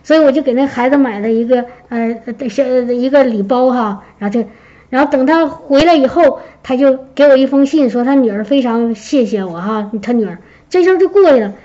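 Woman with a high mellow voice telling her church testimony, lively storyteller, kinda muffled lo-fi audio. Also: fairly quick. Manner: lively storytelling, acts out quoted speech. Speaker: church member giving a testimony. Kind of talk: personal testimony to a congregation.

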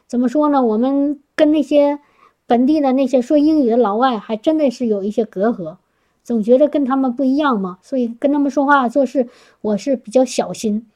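A woman's voice: sits high, brisk, dark tone. A woman speaking to a congregation, sharing a personal testimony in an earnest, chatty way with frequent restarts. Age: adult working professional.

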